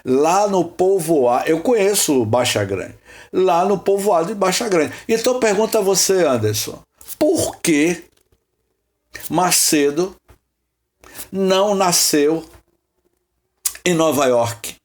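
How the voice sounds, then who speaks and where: A man's voice: sits high, expressive, slow pace, long pauses. A man from Salvador leads an informal teaching session. He rambles, repeats himself, asks rhetorical questions and calls on people by name. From Salvador, Bahia, Brazil. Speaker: host leading a spiritist study session.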